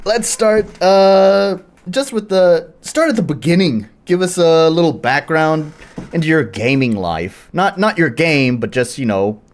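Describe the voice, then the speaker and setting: A man's voice: on the high side, expressive, unhurried. A man with an American accent, chatting casually as the host and interviewer on a livestream. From United States.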